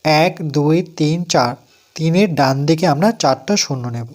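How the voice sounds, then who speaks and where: A man's voice: on the high side, normal speed. A man with a West Bengal accent teaches a primary math lesson step by step. He counts aloud and asks questions that he then answers himself.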